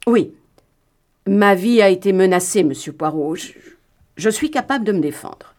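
A woman reading the part of a rich, wary American businessman with a soft, slightly nasal and persuasive voice. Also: medium pitch, expressive, moderate pace, natural voice. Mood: insistent. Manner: persuasive, insistent.

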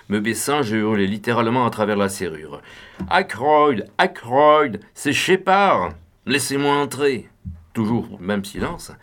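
A man narrating a novel in an audiobook, steady and even. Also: on the low side.

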